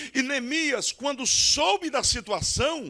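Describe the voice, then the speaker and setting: A man talks at a fairly slow pace in a bright, sharp tone, with a dry, close sound and no echo. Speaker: pastor. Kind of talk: sermon. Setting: church.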